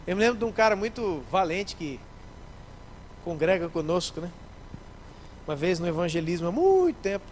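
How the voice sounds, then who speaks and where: A man, a pastor preaching a sermon in church, lively, acting out little scenes and speaking straight to the congregation. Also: sits high, moderate pace, long pauses, slight background noise, low-quality recording. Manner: animated, acts out scenes, addresses the congregation directly.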